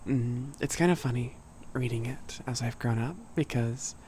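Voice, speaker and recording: A young man voicing a sweet, shy giant cat boy in a soft, near-whispered ASMR roleplay, chatting gently and hesitantly to a small friend. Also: medium pitch, normal speed, slight background noise, lightly acted. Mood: fond, reflective. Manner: gentle, hesitant, rambling, apologetic. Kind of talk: ASMR roleplay, casual chat to listener.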